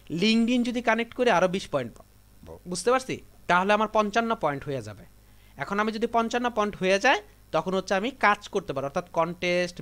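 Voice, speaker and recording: This live classroom tutorial features a Bangladeshi man teaching computers, repeating instructions one step at a time for his students. He sits high in pitch with a fairly bright tone.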